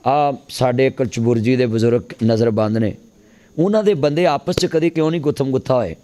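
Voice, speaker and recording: A man's voice: mid-range voice, a little fast. Rousing Lahori Punjabi preacher, man. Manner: rousing, calls on the crowd to answer loudly, acts out voices. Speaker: Islamic cleric preaching. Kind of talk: fiery public sermon. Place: gathering at a mosque in a market.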